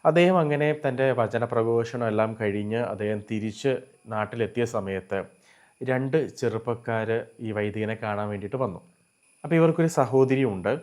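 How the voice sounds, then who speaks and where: A man's voice: on the low side, normal speed. Earnest Malayali man telling a story. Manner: earnest, animated retelling, mixing English words. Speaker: host of a Catholic channel. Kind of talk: religious storytelling talk; chanted Latin prayer.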